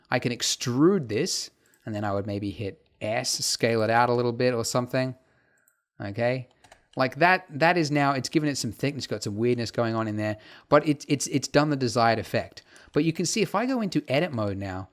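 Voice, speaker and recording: A man teaching a casual software tutorial over his screen, chatty and full of fillers and asides. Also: mid-range voice. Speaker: tutorial instructor.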